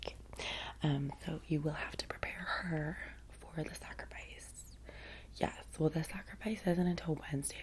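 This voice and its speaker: A woman playing a chatty, vain young assistant to a vampire in a soft-spoken ASMR roleplay, with an American Valley girl accent, breathy and rambling. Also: low voice. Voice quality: breathy whisper. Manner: casual, rambling, filler-heavy Valley girl talk.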